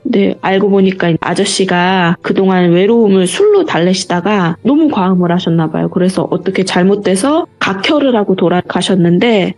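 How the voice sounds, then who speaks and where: A woman's voice: mid-range voice, darkish tone. A woman guest in an interview, retelling a personal story earnestly and vividly.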